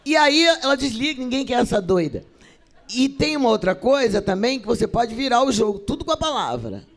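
A woman's voice: a little high, a little fast. A middle-aged Brazilian woman, an actress and poet, telling stories to theater students and acting out the voices in each exchange. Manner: acts out dialogue with shifting voices, expressive and theatrical. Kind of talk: lively storytelling talk.

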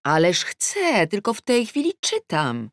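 A woman's voice: medium pitch, huge pitch swings, a little slow, no echo, clean studio sound, voice pushed up. A woman voicing a laconic, distracted fiancé absorbed in his newspaper, offhand and placating, in an audiobook.

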